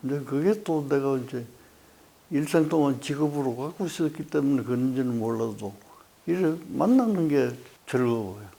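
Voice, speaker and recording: Lively in intonation, a man with a fairly high pitch and dark, mellow tone speaks at a moderate pace. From Daegu, South Korea. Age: 80s+. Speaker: psychiatrist. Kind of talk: lecture.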